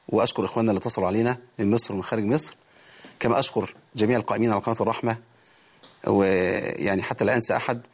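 A man with an Egyptian Arabic accent teaching Quran recitation on a TV show, explaining the rules in plain speech and reciting verses slowly and drawn out. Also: lowish voice.

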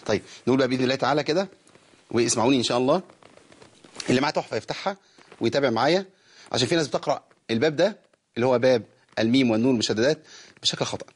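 A man with an Egyptian Arabic accent hosting a broadcast lesson on Quran recitation, explaining rules and slowly chanting verses of a teaching poem. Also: mid-range voice, slightly rough.

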